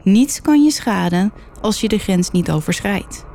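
Man leading a séance, slow and solemn, mellow tone, read by a woman narrator. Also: medium pitch, expressive.

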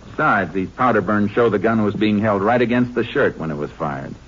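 An actor playing a steady, shrewd Texas Ranger investigator in a matter-of-fact, authoritative 1950s radio western style. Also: male voice, lowish voice, brisk, slightly rough. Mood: analytical. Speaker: lead actor and narrator. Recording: noisy, clicking, muffled 1950s radio recording.

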